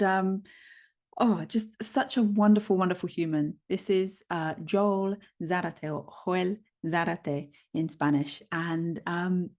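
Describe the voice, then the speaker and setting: Bubbly woman podcast host. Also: lowish voice. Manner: bubbly, gushing, many fillers. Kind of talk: enthusiastic interview intro. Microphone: recording a video intro.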